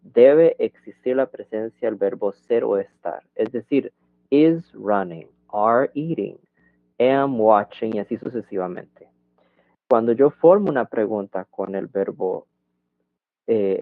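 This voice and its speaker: A man's voice: lowish voice, no room sound. A man teaching an English class online, explaining grammar in Spanish and modeling English questions with exaggerated rising and falling intonation. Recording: thin phone-like audio, dry.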